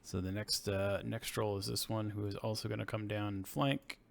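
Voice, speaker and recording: A man narrating as game master, calmly explaining what each enemy does. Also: fairly low pitch, moderate pace, creaky. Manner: steady, explanatory play-by-play of enemy moves.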